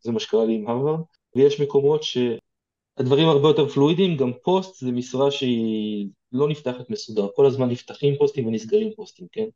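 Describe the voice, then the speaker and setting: A man's voice: mid-range voice, animated, warm tone, muffled recording. A man with an Israeli accent giving informal, direct advice as an interview guest, explaining things conversationally.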